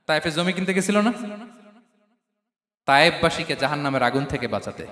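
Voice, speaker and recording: Male preacher, bright and forceful, pitched a little high; emphatic sermon with sudden shouts, heavy PA echo. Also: lively intonation, a little fast. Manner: emphatic, swings from hushed to shouted, quizzes the audience. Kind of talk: sermon to a crowd. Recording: echoey PA sound in a big venue.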